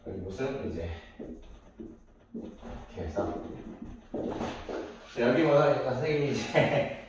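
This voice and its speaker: A middle-aged man teaching a math lesson to young children. He refers to himself as the teacher and counts aloud slowly while drawing. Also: medium pitch, slight background noise. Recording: echoey room, voice from a distance.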